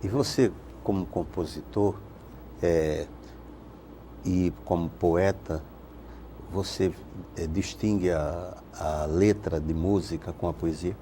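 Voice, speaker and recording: A male interview host with a very deep, dark-toned voice, speaking in short, encouraging prompts. A faint hiss of noise runs under the recording. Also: fairly even intonation, slow pace. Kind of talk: casual interview conversation.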